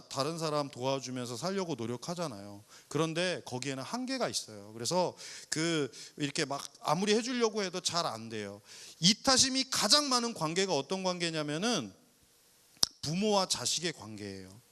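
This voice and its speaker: A male pastor preaching to a young adults service, animated, firing rhetorical questions and acting out people's complaints and prayers. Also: fairly high pitch. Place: church worship service.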